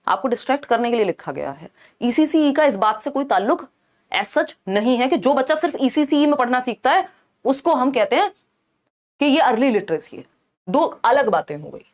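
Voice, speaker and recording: A young woman with a high voice teaches an exam-prep lesson. She walks through each answer by restating it and asking rhetorical questions along the way.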